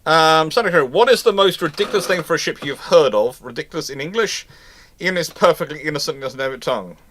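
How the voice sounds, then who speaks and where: A man hosting a live history question-and-answer stream in casual chat, talking in a halting, rambling way with repeated words. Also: on the high side, expressive, a bit bright. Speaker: host of a live naval history Q&A.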